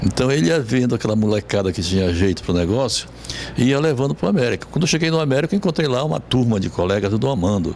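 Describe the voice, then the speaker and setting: Amid noticeable background noise, a man talks at a very fast pace and medium pitch, his loudness very even and his pitch swinging very widely. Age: 60s. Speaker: retired footballer. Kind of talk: interview. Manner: halting, repeats words.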